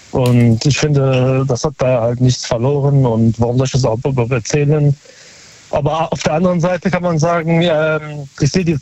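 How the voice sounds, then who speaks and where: A man's voice: medium pitch, dark tone, no room sound. A male caller from near Cologne, heard over a phone line, talking hesitantly with many fillers and keeping things guarded. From near Cologne, Germany. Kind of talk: phone-in chat.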